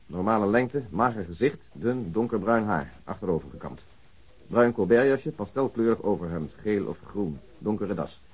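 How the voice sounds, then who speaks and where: A slightly husky police detective in a radio crime drama. He is dry and sardonic, setting out facts in an orderly, matter-of-fact way. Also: fairly low pitch, lively intonation, moderate pace, a little mellow, highs cut off. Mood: formal, measured.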